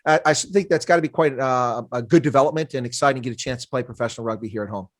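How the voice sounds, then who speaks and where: A man's voice: mid-range voice, rapid-fire. A middle-aged man hosting a casual sports interview, asking long, rambling questions. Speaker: interview host.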